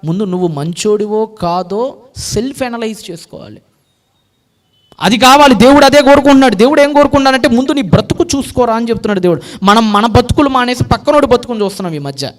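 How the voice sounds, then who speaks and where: Brief: male preacher, very high pitch, animated sermon delivery with loud and hushed swings. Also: quick pace. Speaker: pastor.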